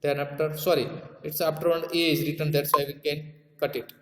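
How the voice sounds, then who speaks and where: A man's voice: on the high side, level tone, fairly quick, fairly bright tone. A man with a South Asian accent teaching a maths lesson, repeating key terms and checking understanding with tag questions. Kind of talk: classroom lesson explanation. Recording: echoey room with long reverb.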